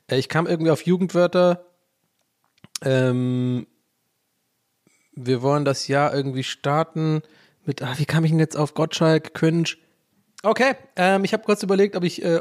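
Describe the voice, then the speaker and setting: Male solo podcaster, chatty and self-mocking, wandering off-topic, home mic. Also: mid-range voice. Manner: rambling, joking, self-mocking, loses his thread. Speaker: podcast host. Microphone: home podcast mic recorded in Audacity.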